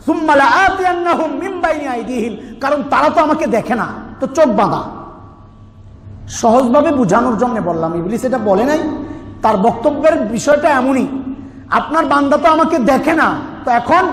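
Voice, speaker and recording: A man's voice: very high-pitched, animated, moderate pace, a bit bright. A Bangladeshi man preaching an Islamic sermon, explaining scripture in an emphatic, conversational way with rhetorical questions. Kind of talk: sermon explaining scripture with recitation and everyday analogies. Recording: echoey reverberant hall with background noise.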